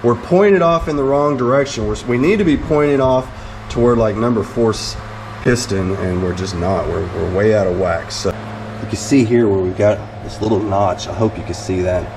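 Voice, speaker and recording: Speaking in a lowish voice at normal speed, this middle-aged American DIY mechanic vlogger casually walks through a hands-on repair with folksy, chatty charm. A running fan fills the hot area around the truck, so loud fan noise carries under his voice.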